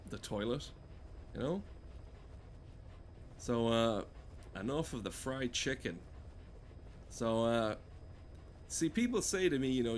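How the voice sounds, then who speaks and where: A man giving rambling, sweary comedic game commentary in a halting, deadpan way. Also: mid-range voice, a little hiss or hum. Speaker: gameplay streamer.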